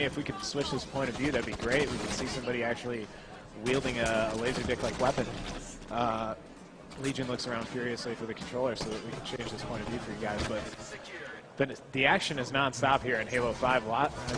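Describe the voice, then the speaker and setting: A man's voice: medium pitch, very noisy. A young man co-casting an esports match, mixing play-by-play with playful banter. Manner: playful, quick-witted banter. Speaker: esports co-caster.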